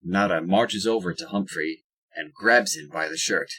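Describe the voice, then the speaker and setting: A man's voice: low-pitched, moderate pace, pushed and bright, slightly rough. A man narrating a scripted audio drama as its storyteller.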